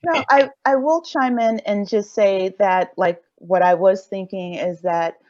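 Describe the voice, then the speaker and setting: A woman speaking as a panelist and audio drama creator, reflective and halting as she searches for words in an unscripted discussion. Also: medium pitch, darkish tone, no room sound, lo-fi sound.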